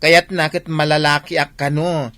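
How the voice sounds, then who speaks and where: A woman's voice: low-pitched, little pitch movement, moderate pace, fairly bright tone, no echo. A woman playing a put-upon, wistful gay male cousin in a village comedy radio drama, with a plaintive, complaining manner.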